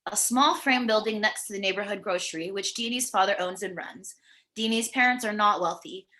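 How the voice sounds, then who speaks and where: Bright-voiced woman reading stage directions. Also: mid-range voice, fairly quick. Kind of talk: scripted screenplay narration. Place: remote virtual table read.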